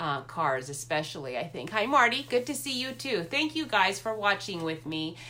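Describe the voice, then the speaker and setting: The pitch swings very widely. Background noise is noticeable. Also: woman, fairly low pitch for a woman, moderate pace. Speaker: card-making crafter. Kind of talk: live stream craft demo. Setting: home office. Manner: halting, many fillers.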